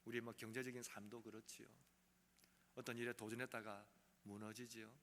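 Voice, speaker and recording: A man preaching a sermon as pastor, earnest, swinging from loud emphasis to soft quiet passages. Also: medium pitch, flat delivery, a little fast, slight background noise. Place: church sanctuary. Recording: long hall reverb.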